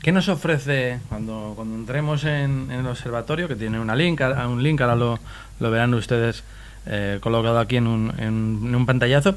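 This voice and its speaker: A male interviewer with a voice at a middle pitch hosts the conversation in a friendly, informal way. He often hesitates and repeats words as he works toward each question. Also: normal speed, smooth. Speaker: interviewer host.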